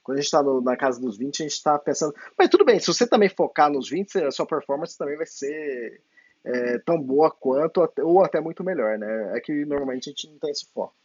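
A Brazilian man with a Brazilian Portuguese accent hosting a podcast interview, speaking calmly and reflectively. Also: a little high, fairly quick, breathy edge, no room sound. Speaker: podcast host. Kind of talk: casual interview conversation. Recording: dull lo-fi podcast audio.

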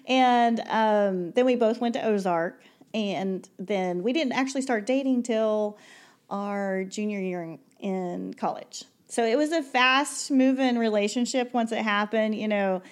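A woman in her forties, a podcast guest, talking in a loud, sassy, chatty way and laughing easily. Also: mid-range voice. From Oklahoma. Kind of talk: casual chat.

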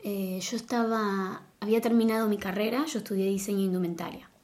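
A woman talks about her own experience in a relaxed, chatty way. She often pauses on fillers and keeps a mid-range voice throughout a casual conversation. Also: medium pitch. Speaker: interviewee, dancer.

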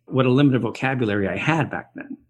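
A middle-aged man with a husky, slightly breathy voice, speaking as a podcast guest. He talks in a reflective, meandering way, circling back and restarting his thoughts as he goes. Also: mid-range voice, fast. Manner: rambling, reflective storytelling with restarts. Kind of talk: conversational podcast interview. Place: Los Angeles area.

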